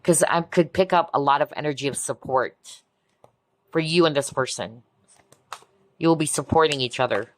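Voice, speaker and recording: A woman giving a collective tarot reading in a soft, reassuring way, often breaking into amazed exclamations. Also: sits low, normal speed, long pauses. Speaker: tarot reader. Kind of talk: pick-a-card tarot reading.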